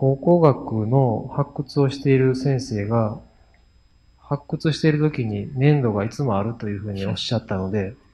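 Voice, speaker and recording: A man talks at a very fast pace and a medium pitch, with ordinary pitch variation. Faint music plays in the background. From Japan, Kyoto (Gojozaka); Japan. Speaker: potter; lecturer. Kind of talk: presentation with interpreter; lecture. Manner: halting with many fillers. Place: hall.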